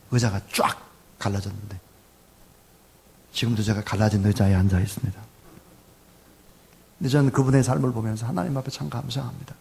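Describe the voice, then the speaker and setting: A middle-aged man preaching a sermon as pastor, dropping to soft asides and rising to loud emphatic lines. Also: mid-range voice, vocal fry.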